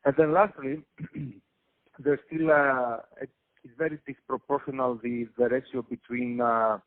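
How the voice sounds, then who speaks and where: A man with a Greek accent who explains things slowly, pausing often on "uh". He sounds dry and tinny, as if he is on a phone call. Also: medium pitch, steady tone, no room sound. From Greece. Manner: hesitant, many "uh" fillers, explanatory. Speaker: guest, tech company CEO. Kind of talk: interview answers.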